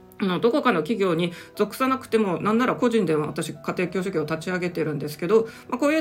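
A woman talks at a very fast pace with medium pitch and lively intonation. Noticeable background noise can be heard. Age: 40s. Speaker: career counselor and podcast host. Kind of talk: solo podcast talk.

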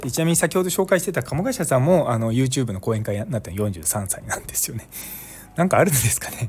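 Somewhat breathy and at a medium pitch, a man races along at a very fast pace with very wide pitch swings and big swings in loudness. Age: 40s. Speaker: anesthesiologist podcaster. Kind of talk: casual solo talk.

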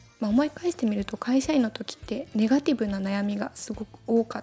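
A woman with a fairly high voice talks at a fairly quick pace in a relaxed tone. Her pitch varies ordinarily, and there is noticeable background noise. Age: 20s. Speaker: freelance web designer and podcaster. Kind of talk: casual solo podcast talk. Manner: relaxed, easygoing.

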